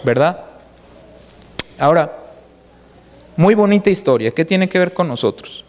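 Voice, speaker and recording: A man's voice: fairly high pitch, lively intonation, unhurried, a little mellow. A man preaching a sermon, retelling a Bible story and acting out its dialogue in quoted voices. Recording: long hall reverb.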